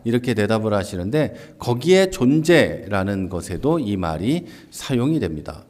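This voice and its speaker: A man's voice: on the low side, sing-song, normal speed, a little mellow. A man giving a church Bible class lecture, explaining step by step and acting out quoted lines in a livelier voice. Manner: explains step by step, often starting a point with "자".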